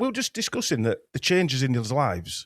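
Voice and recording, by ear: A man with a Yorkshire accent and very wide pitch swings, in a very clean recording with a silent background and a dry, close sound with no echo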